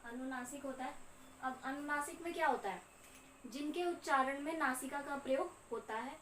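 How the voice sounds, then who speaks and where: High-voiced woman teaching grammar, echoey. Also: a bit bright, far from the mic. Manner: slow and repetitive, often checking in with "ठीक है". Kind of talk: classroom lecture. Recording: echoey room, voice off-mic with faint hum.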